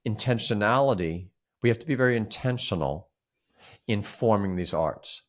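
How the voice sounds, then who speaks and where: Deep-voiced man, reflective and halting. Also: expressive. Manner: halting, repeats words and restarts often. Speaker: podcast co-host. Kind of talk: reflective conversational discussion.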